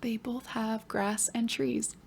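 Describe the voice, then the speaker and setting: A whispered role-play of a young girl pupil, voiced by a woman in a lesson. She answers each question in a soft, breathy whisper, calm and eager. The voice sits slightly high. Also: takes it slowly, full character voice.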